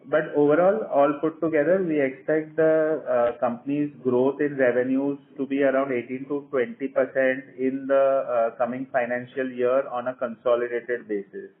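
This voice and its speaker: Over a narrow, tinny conference line, a man with an Indian accent speaks as a company executive. He answers financial questions in a measured, explanatory way, often padding his sentences with "you know". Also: medium pitch, steady tone. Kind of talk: earnings call Q&A. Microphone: phone conference call.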